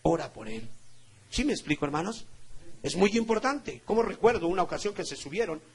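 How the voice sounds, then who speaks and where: A man with a Mexican Spanish accent preaching a sermon as pastor, swinging from loud emphatic peaks to low quiet asides. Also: animated, fairly quick.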